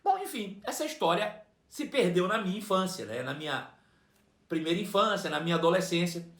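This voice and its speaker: A man with a Brazilian accent preaching a sermon, telling a personal story in an animated way and repeating phrases for emphasis. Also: sits high, a little fast, roomy sound. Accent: Brazilian Portuguese.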